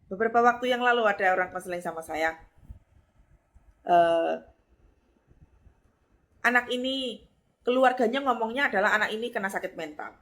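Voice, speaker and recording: A middle-aged woman pastor, preaching a lively sermon and acting out voices with sudden high exclamations. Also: normal speed, long pauses.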